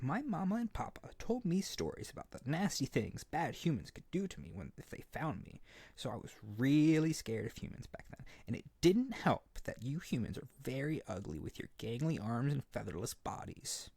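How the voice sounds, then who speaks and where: Man playing an excitable harpy boy, swooping expressive pitch. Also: vocal fry, husky, no room sound, exaggerated voice. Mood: excited, earnest. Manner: rambling, earnest, nervously chattering, addressing the listener directly. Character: excitable, naive, eager-to-please young male harpy suitor. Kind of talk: ASMR roleplay audio drama.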